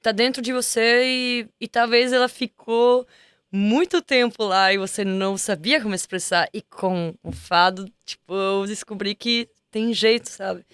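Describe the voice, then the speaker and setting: A woman chats in a studio interview. Her voice is smooth and resonant, and the sound is close and dry. She talks casually and keeps restarting as she reaches for the right word. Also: mid-range voice, a little slow, a bit bright, no echo. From Italy. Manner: chatty, searches for words with many restarts. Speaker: guest singer. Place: music studio.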